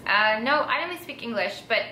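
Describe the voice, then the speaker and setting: A young American woman vlogger talks casually and informally to her viewers. Her voice is bright and forward. The room adds noticeable echo, with a little noise behind her. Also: on the high side, animated, brisk. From Texas, United States. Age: young adult. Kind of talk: casual chat, answering viewer assumptions. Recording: echoey room with faint background noise.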